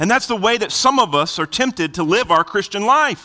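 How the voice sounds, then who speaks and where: In a Southern US accent, a man projects a raised voice with a bright, sharp tone and very wide pitch swings. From Florida, Polk County. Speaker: guest preacher. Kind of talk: sermon.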